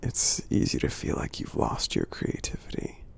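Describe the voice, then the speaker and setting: In an ASMR roleplay, a man plays a kind, friendly giant who is supportive, using a natural voice that is husky, breathy, gravelly and low, half-whispered. He speaks slowly and gently, reassuring the listener and pausing often, and the mood is soothing and supportive.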